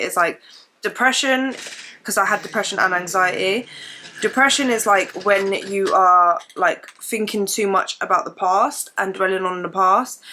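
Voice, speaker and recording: Chatty young woman with a croaky voice. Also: mid-range voice, bright, forceful tone. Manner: chatty, rambling, lots of fillers. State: hoarse and croaky from a chesty cough. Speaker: beauty and fitness vlogger. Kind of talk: casual chat while doing makeup. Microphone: camera mic, sitting in front of camera.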